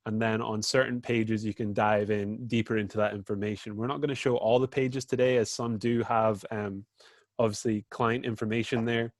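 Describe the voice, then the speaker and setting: A man's voice: lowish voice, flat delivery, normal speed, dry recording. British man, informal screen-share presenter, lots of "um"s, dry sound. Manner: informal, with frequent fillers. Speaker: data dashboard presenter. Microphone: video call.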